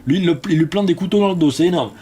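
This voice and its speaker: A man giving excitable, mock-dramatic commentary on a game livestream. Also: a little high, very fast, slight background noise.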